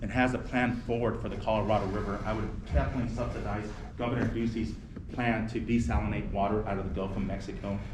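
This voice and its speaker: A man talks very fast in a fairly low pitch. Noticeable background noise and audible room echo fill the recording. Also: ordinary pitch variation. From Arizona, Mesa area. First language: Spanish. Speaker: congressional candidate. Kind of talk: debate closing statement. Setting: stage with audience.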